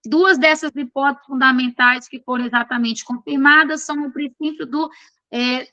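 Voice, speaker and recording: A woman's voice: high voice, pushed and bright, no room sound, muffled recording. A woman teaching an online class. She reads from course notes and keeps checking in with her students in a chatty, informal way.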